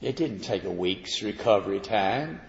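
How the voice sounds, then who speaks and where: Gravelly preacher in an echoey hall. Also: male voice, fairly low pitch, expressive, moderate pace. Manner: earnest, rising to emphatic peaks. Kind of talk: evening sermon with Bible reading. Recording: echoey hall, dull lo-fi recording.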